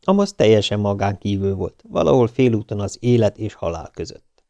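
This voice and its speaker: Male audiobook narrator, measured reading, gravelly, dark tone. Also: on the low side, animated, no echo.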